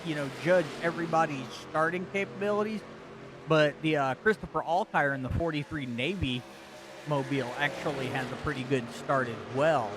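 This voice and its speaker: A man's voice: fairly high pitch, moderate pace, noisy background. A man doing casual color commentary for an online truck race, chatty and often stammering as he starts a sentence. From United States.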